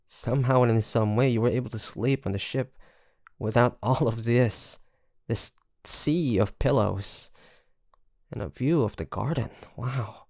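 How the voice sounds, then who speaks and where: A performer plays an ambitious pirate captain in an intimate audio roleplay. The voice is slow and creaky, recorded close and dry. The delivery is teasing and flirtatious, with halting, easily flustered phrasing. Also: mid-range voice, dry recording, close to an everyday voice. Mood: relieved, admiring. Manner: halting, breathy sighs and soft laughs, teasing. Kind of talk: intimate ASMR roleplay acting.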